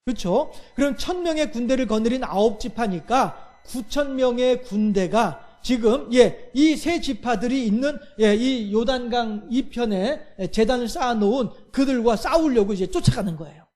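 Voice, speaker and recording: A man preaching a Wednesday church sermon. He keeps asking the congregation rhetorical questions and fills his pauses with a steady "yes". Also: extremely high pitch. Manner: acts out everyday quarrels in lively voices. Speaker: pastor.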